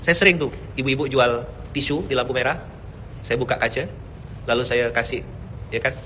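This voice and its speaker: A man preaching a lively sermon with jokes, swinging between loud emphasis and soft asides and chanting verses. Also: mid-range voice, normal speed, slight background noise. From Pontianak, Indonesia. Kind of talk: lively mosque sermon with jokes and audience banter.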